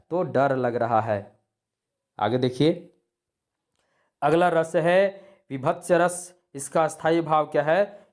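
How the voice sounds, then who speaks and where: A male teacher giving a lesson on poetry, asking questions and answering them himself, and reciting verses with rising emphasis. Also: medium pitch.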